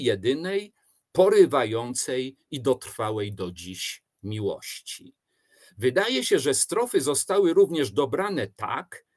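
Guy explaining a poem like a teacher, slow and lively in pitch. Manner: measured, explanatory, with expressive rises and falls. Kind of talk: literature lecture.

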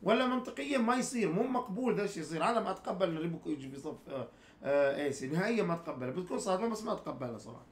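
A man's voice: sits high, animated, rapid-fire, reverberant, slight background noise. A man co-hosting a heated casual debate, exasperated and repeatedly clarifying his point. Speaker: co-host.

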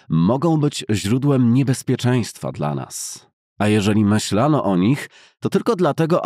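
Deep husky male audiobook narrator. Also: darkish tone, dry recording, clean studio sound. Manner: measured, formal, deliberate reading. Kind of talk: scripted literary narration of a classic science fiction novel. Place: dry recording studio.

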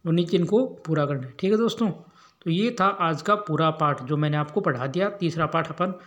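A man with a somewhat high voice teaches a Sanskrit lesson for schoolchildren. He works through the words one after another in a steady drill, giving the Hindi meaning of each. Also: brisk, highs cut off. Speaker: teacher running an education channel.

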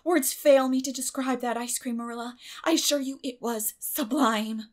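Woman acting a storybook orphan girl, high-pitched, dramatic, gushing, flowery, imaginative. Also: steady tone, normal speed, natural voice.

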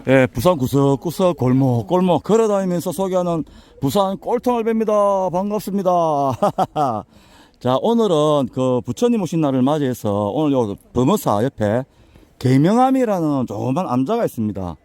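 An older man with a Busan accent, hoarse and a bit winded, chatting folksily as he walks a mountain path for his vlog. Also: on the high side, sing-song, moderate pace, darkish tone, no room sound. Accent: Busan Gyeongsang dialect. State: out of breath from climbing. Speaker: vlogger touring local alleys. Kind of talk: casual walking vlog.

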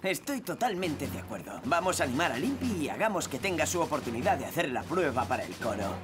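A man's voice: fairly high pitch, sing-song, fast talker, noisy background. A man playing an upbeat, kindly rescue police car in a Spanish-dubbed children's cartoon, enthusiastic and reassuring.

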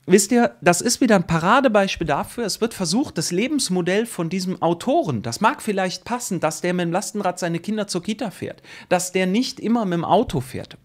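Animated, indignant man in his late thirties. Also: high voice, a little fast, hardly any pauses. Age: late 30s. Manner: indignant, rhetorical questioning, emphatic. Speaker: YouTube host and commentator. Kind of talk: opinionated reaction commentary, reading an article aloud. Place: small home studio room, indoors. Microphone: close microphone on a boom arm.

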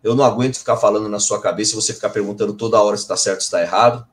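A man's voice: lowish voice, fairly even intonation, rapid-fire, pitched below the performer's own voice, close to an everyday voice. A man voicing a stern, brusque male spirit guide who gives short, commanding orders. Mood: solemn. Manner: curt and commanding.

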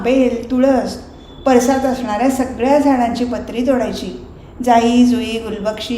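Woman reading a novel out loud, calm expressive pace, echoey room, bit of hiss. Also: a little high. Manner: measured, expressive storytelling. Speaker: reader. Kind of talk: audiobook novel narration. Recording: roomy recording, faint noise.

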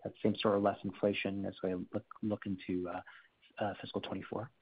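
A man asking questions as a financial analyst on an earnings call, halting and careful, over a phone line. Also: fairly low pitch, little pitch movement, slightly rough.

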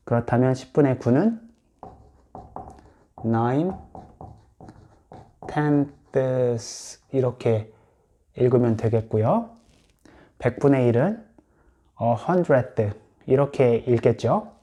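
A man's voice: medium pitch, warm tone. A man teaching English in Korean, patiently explaining and repeating each English word for practice. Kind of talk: explanatory lesson.

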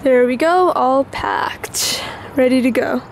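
A woman's voice: sits high, slow, gravelly. A young woman chatting casually to a handheld camera outdoors, playful and teasing, laughing often. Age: young adult. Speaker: vlogger. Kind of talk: casual vlog chat. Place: outdoors on country roads and in a car. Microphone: handheld camera at arm's length. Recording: loud wind and outdoor noise.

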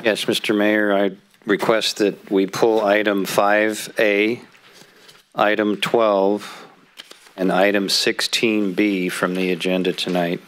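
A man, a city manager, requests agenda changes in a slow, deliberate way, listing the items one at a time. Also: on the low side, flat delivery, fairly bright tone. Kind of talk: formal meeting request.

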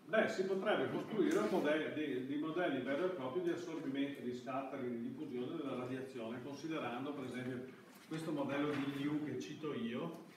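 Echoey, halting male lecturer, distant mic. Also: medium pitch. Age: middle-aged. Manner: halting, searching for words with repeated false starts. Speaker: university lecturer. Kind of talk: classroom lecture with slides. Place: indoor classroom. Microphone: far camera microphone. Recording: echoey classroom, distant mic, background hiss.

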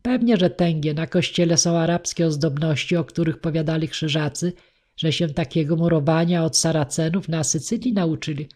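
A woman's voice: low-pitched, normal speed, darkish tone. A hearty noble knight describes what he has seen with courtesy, as a woman reads him aloud. He is an older man, a figure from a storybook. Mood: admiring.

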